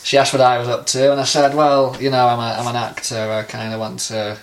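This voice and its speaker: A young man co-hosting a podcast, telling a travel story in a relaxed, self-amused way. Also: mid-range voice, brisk, a little hiss or hum. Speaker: podcast co-host. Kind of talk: casual podcast chat.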